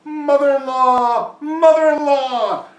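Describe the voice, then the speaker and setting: A man's voice: fairly quick, roomy sound, distant mic, natural voice. A man voicing an anxious, pleading young husband in a folktale, with emphatic, stretched-out delivery. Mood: calling out. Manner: calls out in long high shouts, pleads emphatically.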